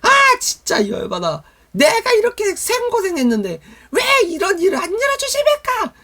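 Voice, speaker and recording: A man voicing a fed-up young believer who shouts complaints at God in an exasperated, high-pitched way. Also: wildly swooping pitch, normal speed, full character voice.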